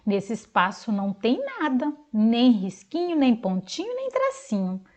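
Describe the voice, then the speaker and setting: A Brazilian woman teaching a recorded video lesson to young children, speaking slowly in a sing-song teacher manner and clapping out syllables. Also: on the high side, very animated, a little mellow. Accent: Brazilian Portuguese.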